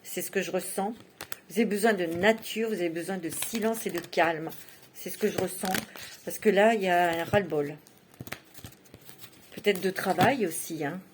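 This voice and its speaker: A woman's voice: lowish voice, moderate pace, long pauses, a little hiss or hum. A woman giving a casual tarot reading, chatty and often laughing, filling her speech with little asides. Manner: chatty, laughs often, many fillers like "hein". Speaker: tarot reader.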